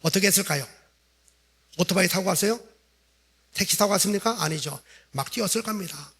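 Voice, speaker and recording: A man's voice: sits high, fairly quick, vocal fry, fairly bright tone, husky. A middle-aged male pastor preaching a revival sermon in a church, telling the story vividly and acting out the quoted lines. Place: church sanctuary.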